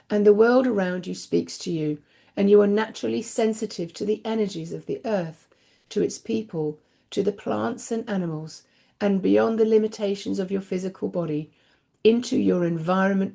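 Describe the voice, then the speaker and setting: A woman hosting an oracle card reading, giving spiritual guidance in a soft, unhurried way that dwells on repeated phrases. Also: creaky. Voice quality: deep voice. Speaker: host and oracle card reader.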